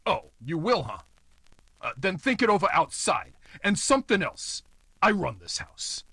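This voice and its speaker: A man's voice: sits high, big pitch swings, measured pace, bright, forceful tone, slightly rough, dry recording, exaggerated voice. An actor playing a nosy, slimy apartment house manager who wheedles in tough-guy slang, in old-time radio noir style. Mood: menacing.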